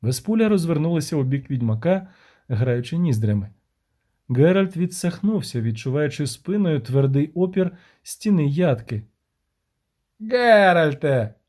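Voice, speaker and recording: A man narrating a fantasy audiobook in an expressive storytelling manner. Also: a little high, moderate pace.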